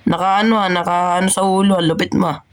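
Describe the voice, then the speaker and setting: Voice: medium pitch, flat delivery, quick pace. A young speaker jokingly narrating a game role-play in casual chat, teasing a friend throughout. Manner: joking, teasing banter, calling others "boy". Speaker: gamer doing role-play commentary.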